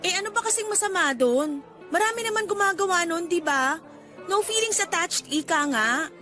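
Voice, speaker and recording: A woman's voice: very high voice, lively intonation, moderate pace, pushed and bright, exaggerated voice. An actress playing a defiant, flippant woman nearly thirty in a radio drama, with a Filipino accent and breezy, defensive retorts. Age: 20s. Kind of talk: Tagalog radio drama acting. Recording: music faintly underneath.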